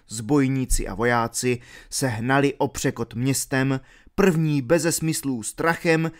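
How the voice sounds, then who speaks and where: Man reading an audiobook aloud. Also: mid-range voice. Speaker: audiobook narrator.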